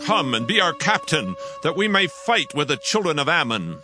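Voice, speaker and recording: Music sits clearly behind a man acting a beseeching tribal elder in a Bible drama. His voice is rather high and swings widely in pitch, urgent and anxious in archaic phrasing. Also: very animated, normal speed. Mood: urgent appeal. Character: pleading elder of Gilead, anxious tribal spokesman.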